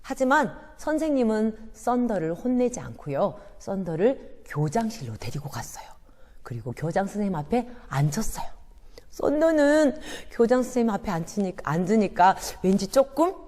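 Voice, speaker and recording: A woman telling a Bible-based story to children in an animated, sing-song way. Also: medium pitch, moderate pace, long reverb tail.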